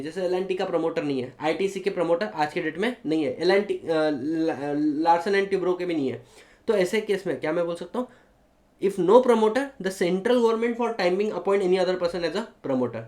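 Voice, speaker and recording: Indian guy teaching law, lively, keeps checking if the class gets it, roomy echo. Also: high-pitched, brisk. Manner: animated, mixes Hindi and English, asks students questions. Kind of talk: classroom lecture.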